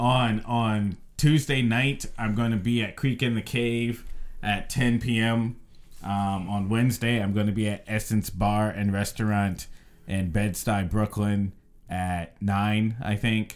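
With an American accent, a man speaks at a very slow pace in a fairly low pitch, his intonation fairly even. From US South, Mobile, Alabama. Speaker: stand-up comedian. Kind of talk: stand-up style bit riffing on race and viral videos. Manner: wry, punchline-driven delivery with comic pauses.

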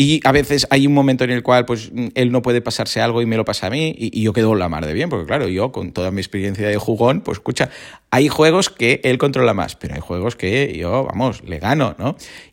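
The recording is very clean, with a silent background. A man speaks with lively intonation and vocal fry. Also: medium pitch for a man. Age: 40s. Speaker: podcast host. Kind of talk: personal reflection monologue. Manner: casual, hesitant with repetitions.

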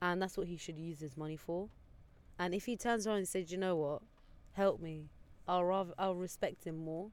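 At a moderate pace, a woman speaks with fairly even intonation and long, frequent pauses. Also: fairly low pitch for a woman. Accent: London. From London, Camden. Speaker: podcast guest. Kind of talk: casual chat. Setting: home studio.

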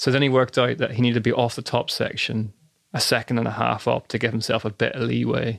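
At a very fast pace, a man speaks in a medium pitch with vocal fry. His loudness stays very even, and his intonation is flat and monotone. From Northern Ireland. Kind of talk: casual interview chat.

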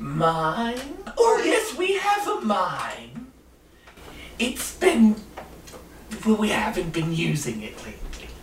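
A put-on character voice moves at a very slow pace with long, frequent pauses. There is a slight echo on the sound.

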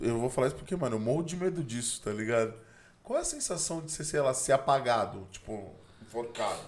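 A man at a medium pitch and fairly quick pace, with ordinary pitch variation. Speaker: podcast host. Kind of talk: casual chat. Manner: energetic, slangy.

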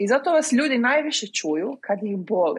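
Her pitch swinging very widely, a woman talks at a moderate pace in a somewhat breathy voice. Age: 30s. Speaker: artist and hospitality manager with rheumatoid arthritis. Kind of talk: casual interview.

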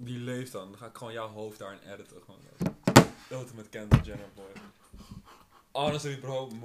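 Over noticeable background noise, a man talks at a medium pitch and moderate pace, his loudness swinging widely. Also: fairly even intonation. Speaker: podcast co-host. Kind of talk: casual chat.

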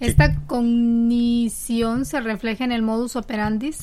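Speaking at a moderate pace, a woman with a fairly high pitch sounds somewhat breathy, her intonation monotone and flat. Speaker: co-presenter analysing criminal psychology. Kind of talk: casual chat; reading aloud. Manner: quiet, does not project her voice.

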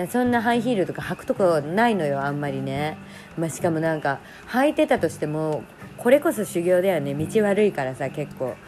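Relaxed in tone, a woman speaks at a fairly quick pace in a fairly low pitch with very wide pitch swings. Music plays in the background. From Japan. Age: 30s. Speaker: podcast host. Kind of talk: casual monologue. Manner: relaxed, chatty.

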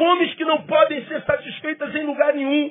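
Over noticeable background noise, a man with a Rio de Janeiro accent speaks at an extremely high pitch in an animated tone and at a moderate pace. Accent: Carioca Brazilian Portuguese. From Brazil, Rio de Janeiro (Realengo). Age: 40s. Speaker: pastor. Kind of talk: sermon. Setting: church.

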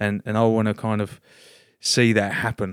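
A man with a fairly low pitch speaks in a monotone, flat intonation, recorded very cleanly against a silent background with a dry, close sound and no echo. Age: 30s. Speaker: social entrepreneur. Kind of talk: interview.

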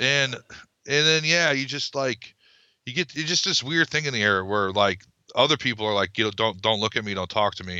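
With lively intonation and a fairly quick pace, a man speaks at a medium pitch in a normal speaking voice. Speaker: podcast host. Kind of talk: casual chat.

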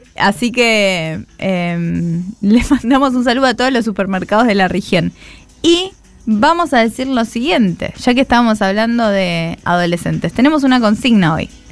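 A woman talks at a moderate pace with a fairly high pitch and lively intonation. She has an ordinary speaking voice. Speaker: radio host. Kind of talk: casual chat. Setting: studio.

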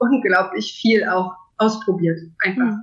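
Here is a woman with a plain, everyday voice. It sits fairly high in pitch and shows ordinary pitch variation. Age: 30s. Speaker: physician and lactation consultant. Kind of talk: interview.

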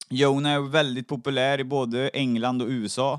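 This man has a medium-pitched voice and speaks in a Swedish accent. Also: very clean recording, silent background. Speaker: podcast host. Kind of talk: casual interview. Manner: halting.

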